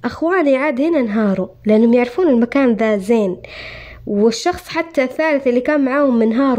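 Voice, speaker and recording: A woman's voice: fairly high pitch, a little mellow. A woman with a Saudi accent telling a true story in the first person, in an emotional, earnest way.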